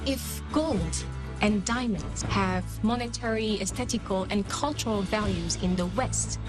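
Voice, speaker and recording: A woman from Morocco, an architect presenting in a reflective, relaxed way. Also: fairly high pitch. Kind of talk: travel documentary presenting. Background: background music.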